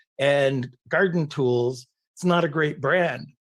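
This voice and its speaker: A man's fairly high-pitched, unremarkable speaking voice. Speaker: e-commerce speaker. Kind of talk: webinar presentation.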